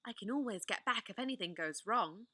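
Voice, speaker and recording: A woman reading a storybook aloud, voicing a curious young girl in a hushed, wondering way. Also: mid-range voice, animated, fairly quick, husky, dry recording.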